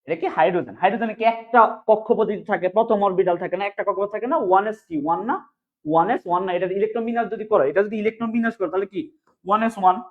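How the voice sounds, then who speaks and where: A man teaching chemistry in an online exam-prep class, drilling students with quick repeated questions. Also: sits high. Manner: fast, repetitive question-and-answer drilling. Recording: phone-like narrow sound.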